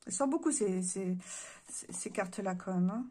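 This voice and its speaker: This card reader speaks at normal speed with a medium pitch and dark tone, over a faint hiss or hum. Doing a casual reading to camera indoors, she muses with many hesitations while her voice gives out and she clears her throat.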